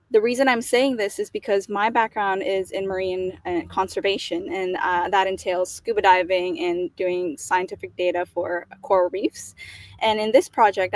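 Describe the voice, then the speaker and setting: A woman's voice: mid-range voice, dry recording. A young woman from Indonesia, a science student, eagerly introducing herself and her conservation project. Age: young adult. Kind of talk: guest introduction on a live call.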